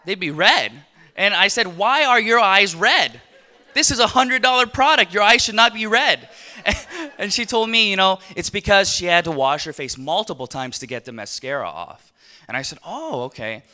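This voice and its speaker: Man, 30s, from Los Angeles, motivational speaker, bright, lively pitch, animated, addresses audience. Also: moderate pace. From USA (Los Angeles). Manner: lively, animated storytelling with frequent laughs and rhetorical questions. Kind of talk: speech to a live audience.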